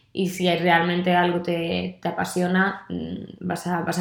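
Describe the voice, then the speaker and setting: A woman talks at a fairly low pitch and a fairly slow pace. Room echo is audible. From Sweden, half Spanish. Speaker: online florist business co-owner. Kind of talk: casual interview chat. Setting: recorded live in person, shared mic.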